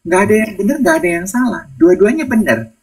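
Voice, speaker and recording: A man's voice: sits high, fast talker, recorded from a distance. A man, co-hosting a casual talk show, telling stories and acting out the voices he quotes. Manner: animated storyteller, acts out quoted voices, mixes English. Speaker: podcast co-host. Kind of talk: casual chat, retelling conversations.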